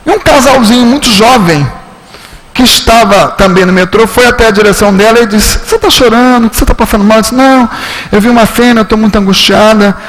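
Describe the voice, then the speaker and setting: Animated high-voiced male spiritist lecturer. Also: a little fast, low-quality recording. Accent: Rio de Janeiro Portuguese. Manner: animated storytelling, acts out dialogue with shifting pitch. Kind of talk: storytelling lecture. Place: spiritist centre lecture hall.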